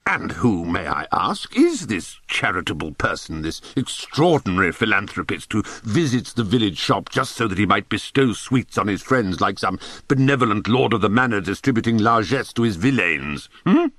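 A man's voice: lowish voice, big pitch swings, normal speed, hardly any pauses, fairly bright tone, no room sound. Man playing a pompous English schoolmaster, wildly swooping. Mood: sarcastic menace. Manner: pompous, theatrical, sarcastic. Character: exasperated, sarcastic, pompous old-school British schoolmaster.

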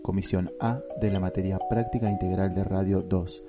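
A man's voice: deep voice, fairly even intonation, normal speed. A man reading scripted radio credits as the announcer. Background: prominent music.

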